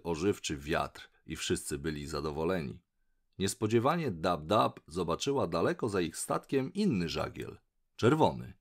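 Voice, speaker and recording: A man reads a children's adventure aloud in a lowish voice. His telling is animated, with wide swings of pitch. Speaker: audiobook narrator. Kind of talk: expressive audiobook narration.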